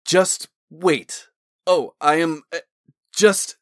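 A man's voice: mid-range voice, lively intonation, measured pace, fairly bright tone, no room sound, studio quality. A man as a wry, fond guardsman. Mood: puzzled. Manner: wry, teasing. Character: teasing, smug male guardsman, fond of his friend. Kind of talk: audiobook character dialogue.

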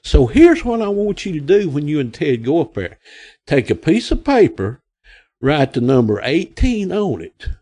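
A man's voice: on the high side, very animated, moderate pace, warm tone. A man in his sixties from Arkansas, with an Arkansas accent, telling rambling folksy stories as an interview guest and acting out the voices of people he quotes. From Arkansas, USA. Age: 60s. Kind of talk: casual storytelling.

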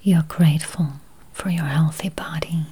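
A woman with a low-sitting voice guides a meditation in a soft, breathy near-whisper. Her phrasing is calm, soothing and deliberate.

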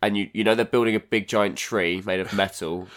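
Guy with a lowish voice chatting loosely on a podcast, lots of restarts, swears a bit. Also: steady tone, fairly quick, a bit bright. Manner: rambling, thinks aloud with many restarts and swearing. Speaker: podcast co-host. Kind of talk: casual chat.

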